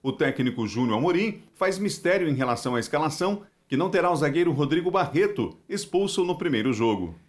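A man presenting a regional morning TV news bulletin with a brisk announcer delivery and a Brazilian accent from Maranhão. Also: a little high, animated. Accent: Brazilian Portuguese, Maranhão. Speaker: news anchor.

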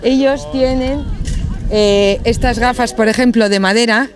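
A woman's voice: fairly high pitch, fairly even intonation, unhurried, crowd noise. A woman organizing an outdoor market, presenting stalls casually with eager praise and frequent hesitations. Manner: enthusiastic, hesitant fillers, repeats words. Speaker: market organizer guiding the tour.

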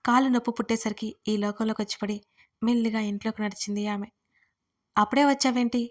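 A woman narrating a teen romance audio story in an even storytelling manner. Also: mid-range voice, quick pace. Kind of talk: scripted narration.

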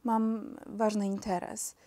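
A woman's voice: medium pitch, level tone, slow, mellow, close to an everyday voice. A shy old court doctor from a storybook reading, as a woman narrator puts him on. He speaks hesitantly and politely. The voice stays close to the reader's own. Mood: timid. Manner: timid, hesitant.

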